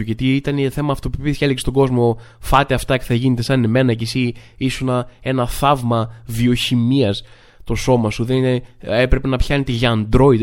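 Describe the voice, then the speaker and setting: A man hosting a podcast, telling comic stories in a chatty monologue. He talks with lots of filler phrases and mimics other people's lines. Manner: animated, acts out other people's lines with jumps in pitch. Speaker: podcast host.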